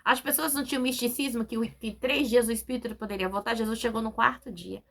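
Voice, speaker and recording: A woman's voice: a little high, steady tone, fast, a bit bright. A woman preacher giving a sermon, emphatic and repetitive, often asking her listeners to agree. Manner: emphatic, repetitive, with frequent tag questions.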